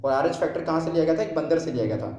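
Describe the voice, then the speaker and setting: Male teacher, mellow tone, quizzing and repeating, very echoey room. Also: on the high side, racing. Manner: asks and answers his own questions, repeats key terms. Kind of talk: exam-prep lesson.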